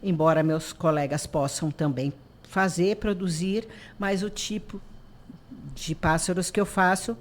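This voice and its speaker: A woman, president of an artisan association, telling animated stories in a radio interview and acting out quoted dialogue. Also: on the low side, a little slow, a little hiss or hum. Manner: animated storyteller who acts out quoted dialogue.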